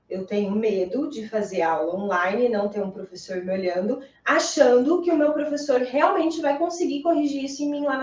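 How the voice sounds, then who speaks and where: A woman with a Brazilian accent teaching an online ballet lesson, demonstrating moves and checking in often with quick questions. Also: sits high, darkish tone. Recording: echoey room, distant mic, dull sound.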